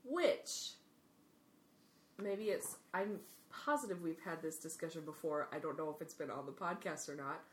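A woman's voice: low voice, moderate pace, a little hiss or hum. A woman co-hosting a podcast, talking through a book in casual chat. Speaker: podcast co-host. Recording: roomy, echoey sound.

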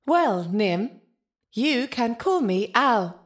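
A woman's voice: on the high side, big pitch swings, drawn-out words, full character voice. A woman playing a prim, evasive, literal-minded ship's intelligence in a science-fiction audio drama, speaking with dry, formal politeness. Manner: formal, pedantic, dryly polite.

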